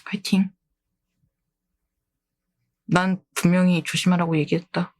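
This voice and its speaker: A woman's voice: mid-range voice, expressive, moderate pace, no echo. A woman VTuber who streams about books, chatting casually and politely with a giggly manner as she reads out viewer posts. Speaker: book-themed VTuber streamer. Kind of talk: casual livestream chat, reading viewer posts.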